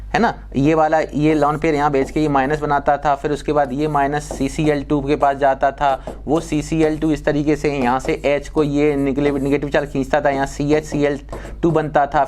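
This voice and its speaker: A man's voice: on the high side, darkish tone. A man teaching chemistry exam prep, talking casually and acting out little dialogues with students and molecules.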